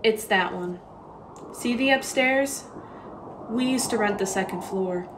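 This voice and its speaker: A woman's voice: mid-range voice, a little slow, fairly bright tone, a little hiss or hum, close to an everyday voice. A woman acting in a radio play as a tender but anguished young Jewish mother. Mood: quiet, tender.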